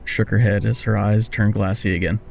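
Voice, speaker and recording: A man's voice: on the low side, level tone, brisk, vocal fry, slight background noise. An actor with an American accent playing a hapless, charming young man who tells his own story in an audio drama with wry self-deprecation. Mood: wry, rueful. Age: young adult. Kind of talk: audio drama first-person narration and dialogue.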